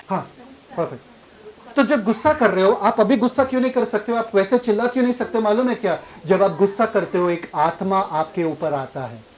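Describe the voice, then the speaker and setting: Pastor leading a sermon, keeps quizzing the congregation. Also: male voice, high-pitched, low-quality recording. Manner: questions the congregation and drives for answers.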